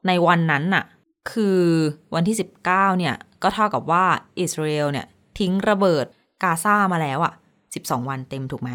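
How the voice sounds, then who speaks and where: A woman radio host telling a news story in casual chat, animated when quoting. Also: sits low, normal speed.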